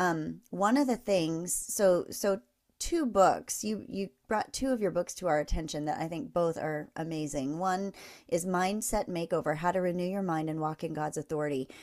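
A woman with an unremarkable speaking voice talks at a moderate pace, her fairly low pitch carried by lively intonation. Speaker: podcast host. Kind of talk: interview conversation.

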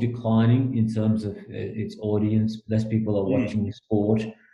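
The speech unfolds at a fairly slow pace, with music in the background and audible room echo. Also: man. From India (Chennai). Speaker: sports executive and management consultant. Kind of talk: interview conversation.

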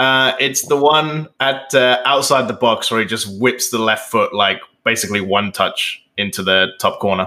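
Bright and sharp in tone, a man with an English accent speaks at a moderate pace with hardly any pauses. His pitch is medium, with ordinary pitch variation. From southern England. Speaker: football fan. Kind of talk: casual chat.

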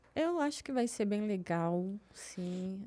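On a very clean recording with a silent background, a woman speaks in a fairly high voice with lively intonation. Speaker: podcast co-host. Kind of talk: casual chat.

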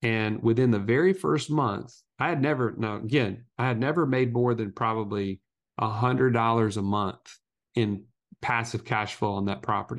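A man's medium-pitched voice with a Southern US accent, ordinary pitch variation and a moderate pace, against a quiet background. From Alabama. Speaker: financial educator and investor. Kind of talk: interview.

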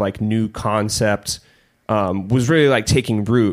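Here a man speaks with a fairly low pitch. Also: very clean recording, silent background. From US West Coast, Santa Barbara County, California. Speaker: musician. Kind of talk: casual chat.

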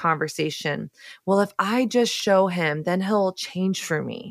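In a very clean recording with a silent background, a woman with an American accent and an unremarkable speaking voice talks at a fairly slow pace, her pitch fairly low with ordinary variation. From Texas. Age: 30s. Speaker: author and podcast host. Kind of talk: interview.

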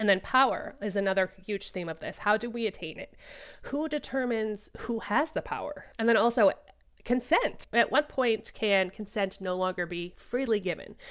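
A woman's plain, everyday voice with an American accent, fairly high in pitch, with ordinary pitch variation at a moderate pace. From Michigan. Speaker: book YouTuber and book club host. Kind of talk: casual chat about books.

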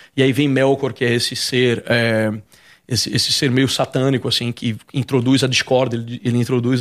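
This man talks at a moderate pace in a medium pitch, with monotone, flat intonation. The recording is very clean with a silent background. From Recife, Brazil. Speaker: pianist and youtuber. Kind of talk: casual interview conversation.

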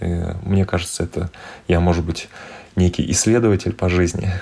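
Over noticeable background noise, a man talks. His very deep, low pitch stays monotone and flat. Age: 40s. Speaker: parent of a child with muscular dystrophy, company director. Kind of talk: recorded personal testimony.

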